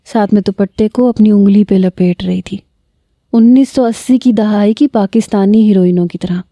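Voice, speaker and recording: A woman narrating a romantic story in a steady, measured reading. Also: medium pitch, dry recording.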